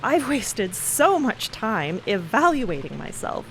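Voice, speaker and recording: High-voiced earnest young woman played by an actress. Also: sing-song, slow, a bit bright, a little hiss or hum, exaggerated voice, rough recording. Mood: earnest pleading. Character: Cleo, young woman, earnest, fiercely loyal, teasing friend. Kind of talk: dramatic audio fiction acting, conversational. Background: music and rain sounds.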